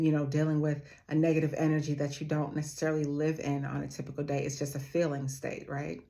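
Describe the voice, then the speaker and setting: Speaking straight to her viewers, a woman with a strikingly deep, low voice and a darkish tone gives an earnest motivational talk. She calls her audience "family" and slows down to repeat her key phrases for emphasis.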